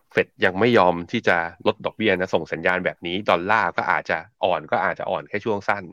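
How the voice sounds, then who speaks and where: A man co-hosting a morning markets show, explaining charts and reading viewer comments in a relaxed, chatty way. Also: sits low, no room sound, dull audio. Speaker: co-host and market analyst.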